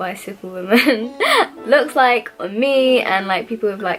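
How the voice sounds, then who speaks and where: With ordinary pitch variation, a woman talks over music in the background. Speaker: beauty vlogger. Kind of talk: product review talk to camera. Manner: casual, chatty.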